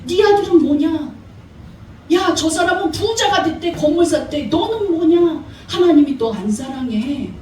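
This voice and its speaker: A woman's voice: extremely high pitch, lively intonation, a little slow, a little mellow, slight background noise, voice pushed up. A woman voicing a devil who mocks and coaxes believers, in an echoey hall, heard from a distance. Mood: taunting. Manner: taunting, coaxing, mocking. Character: sneering devil tempting believers. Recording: echoey church hall, mic far off.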